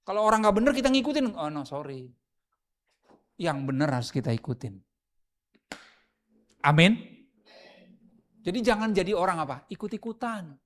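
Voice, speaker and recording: A man preaching a sermon as pastor, often asking the congregation rhetorical questions and moving between loud emphasis and quiet asides. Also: high voice, very animated, normal speed, pauses often.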